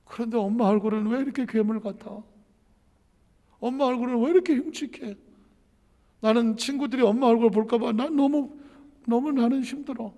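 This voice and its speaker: A man's voice: very high voice, normal speed, vocal fry, a little mellow, big-room sound, pitched above the performer's own voice, heavily acted. A man putting on the voice of a young schoolgirl who is upset and ashamed of her mother, in a sermon story. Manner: whiny and upset.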